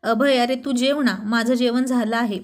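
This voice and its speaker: A woman voicing a gentle, caring young wife in a spoken love story. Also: on the high side, fairly even intonation, normal speed, close to an everyday voice. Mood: tender.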